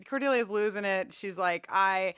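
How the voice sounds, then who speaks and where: A woman's voice: mid-range voice, normal speed, a bit bright, clean tone, no echo. Casual woman podcaster, close dry sound. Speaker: podcast co-host. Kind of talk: casual TV rewatch podcast chat.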